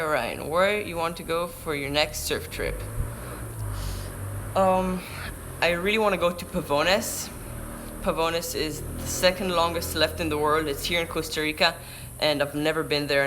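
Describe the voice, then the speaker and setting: A teenage boy from Israel with a Hebrew accent, working as a surfer vlogger, speaks at normal speed in a fairly high voice. He's chatty on a live stream, reading viewer questions aloud, answering them and often restarting words mid-sentence. The background is noisy, recorded indoors by a window on a camera-mounted shotgun mic.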